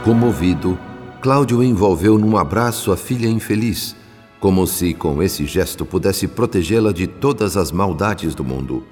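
A man's voice: sits low, lively intonation, moderate pace, darkish tone, faint music behind. A man with a Brazilian accent giving scripted, dramatic first-person narration for a radio novela. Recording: long reverb on voice.

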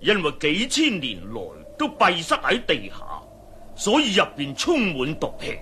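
A man's voice: high-pitched, wildly swooping pitch, normal speed, bright, forceful tone, a little hiss or hum, exaggerated voice. A man with a Hong Kong accent playing a formal, solemn desert tribal chief in a radio drama. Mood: solemn, confiding.

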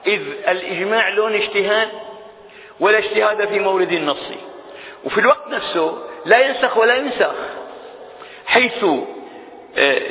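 Man, high voice, religious lesson, step-by-step explaining, rhetorical questions, tinny lo-fi sound, long hall echo. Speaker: Islamic scholar teaching a creed text.

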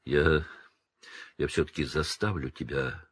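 Man doing a hoarse, haunted fugitive. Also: a bass voice, unhurried, dry recording, studio quality, pitched below the performer's own voice, exaggerated voice. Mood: hoarse pleading. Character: hoarse, haunted escaped male prisoner.

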